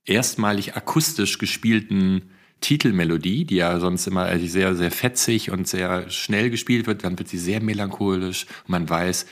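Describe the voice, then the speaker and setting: A man's voice: low-pitched, normal speed. A man talks as a podcast co-host. His delivery is casual and conversational.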